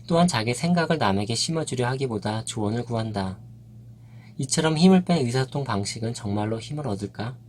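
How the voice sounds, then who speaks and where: A man narrating a nonfiction book in an even, measured reading voice. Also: mid-range voice, a little hiss or hum. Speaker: audiobook narrator.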